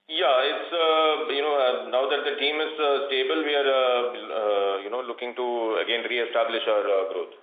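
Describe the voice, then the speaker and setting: Halting Indian executive on a roomy line. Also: male voice, medium pitch. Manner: halting, hesitant phrasing. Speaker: company executive. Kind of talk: earnings call answers. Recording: roomy, muffled conference call line.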